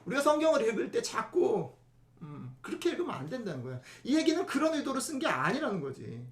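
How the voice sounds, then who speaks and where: A pastor preaches a casual, conversational sermon fairly quickly, his high, animated voice swinging widely in pitch as he keeps turning to the congregation with rhetorical questions. A roomy church echo surrounds the sound.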